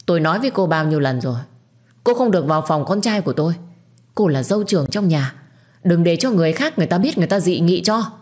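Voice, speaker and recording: A woman's voice: fairly low pitch, animated, fast talker, a little mellow, natural voice. A woman voicing a stern older matriarch who scolds and commands her household in an audio story.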